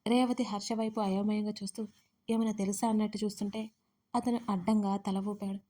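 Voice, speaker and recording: A woman storyteller reading a dramatic audio story in a steady, scripted narration. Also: medium pitch, fairly quick.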